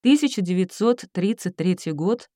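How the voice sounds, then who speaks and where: A woman voices a reserved seventeen-year-old boy answering questions in quiet, clipped sentences. The delivery stays low and mellow, recorded close and dry. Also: expressive, normal speed, dry recording, lightly acted. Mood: guarded. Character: reserved, guarded Japanese youth of seventeen.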